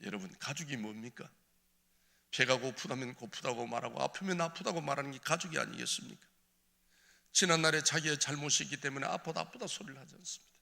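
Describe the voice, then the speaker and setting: Church elder, gravelly and piercing, giving a tearful, impassioned testimony that swings from hushed to crying out, in a reverberant sanctuary. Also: male voice, mid-range voice, quick pace.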